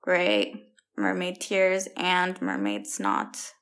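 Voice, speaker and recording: An actress playing a blunt, sardonic young fairy-tale heroine with a casual, deadpan delivery in an audio comedy. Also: female voice, on the low side, very slow, exaggerated voice.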